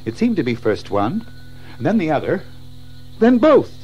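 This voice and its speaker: A man's voice: a little high, wildly swooping pitch, moderate pace, a little mellow, breathy edge, lo-fi sound, soft background music. A man narrating a children's story in a theatrical, suspenseful manner. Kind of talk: dramatic scripted storytelling.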